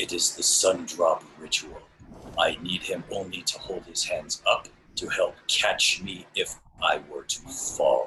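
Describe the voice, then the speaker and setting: Using a put-on character voice, a man speaks fairly slowly at an extremely high pitch. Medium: actual play. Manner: formal, measured.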